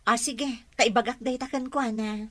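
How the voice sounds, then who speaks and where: A woman's voice: a little high, steady tone, moderate pace, natural voice. A woman playing a friendly female caregiver to a mansion boss in an Ilocano audio drama.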